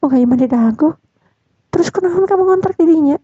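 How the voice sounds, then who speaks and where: A woman voicing a young woman, eager and lovestruck, who asks quick surprised questions. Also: very high-pitched, lively intonation, warm tone, dry recording. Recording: dull dry lo-fi recording.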